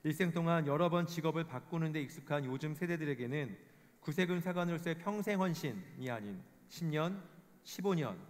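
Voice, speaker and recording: Man, formal scripted report narration, somewhat high voice, long hall reverb. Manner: formal, measured reading of statistics. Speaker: presenter of a report.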